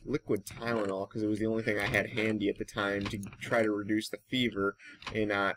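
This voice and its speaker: A man hosting a casual, rambling gaming commentary, thinking aloud in a halting way and trailing off. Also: fairly low pitch, flat delivery, fairly bright tone, slight background noise. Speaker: gaming channel host.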